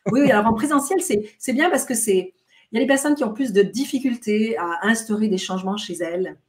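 A woman's voice: a little high, brisk. A middle-aged woman with a light Swiss French accent, talking as a guest over a video call, often hesitating and restarting phrases. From France, of American parents. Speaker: guest, detox retreat organizer. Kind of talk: casual video-call interview. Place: home room.

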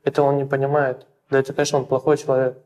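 Young man, dark mellow voice, halting. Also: mid-range voice, completely flat delivery. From Russia. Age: young adult. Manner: halting, repeats words, many fillers. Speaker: interviewee. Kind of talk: interview. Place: small plain room indoors.

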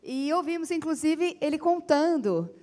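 A woman with a Brazilian accent and a moderately high voice moderates an onstage conversation. She introduces and asks questions through a handheld microphone, her words carrying long reverb from the hall. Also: lively intonation, normal speed, warm tone. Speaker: panel moderator. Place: stage in a conference hall with seated audience.

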